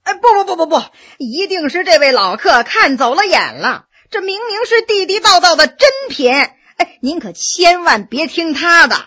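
A woman's voice: very high voice, animated, normal speed, pushed and bright, heavily acted. A woman voicing a fawning, anxious male antique shop owner in a storybook tale, with whining, exclamatory delivery. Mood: flustered, protesting. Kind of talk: dramatized storytelling.

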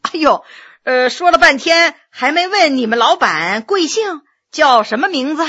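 A woman's voice: high-pitched, expressive, a little slow, sharp tone, lo-fi sound, heavily acted. A woman voicing a gracious, generous middle-aged nobleman who talks in an easygoing way with filler sounds. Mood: genial.

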